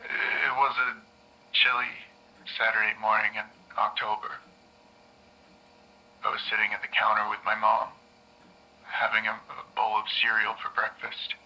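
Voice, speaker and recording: A man's voice: lowish voice, monotone, a little slow, pauses often, sharp tone, low-quality recording. An actor playing a nervous young man in a therapy session, stammering, repeating himself and rambling. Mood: anxious. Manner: stammering, repeats words, hesitant. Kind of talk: audio drama acting.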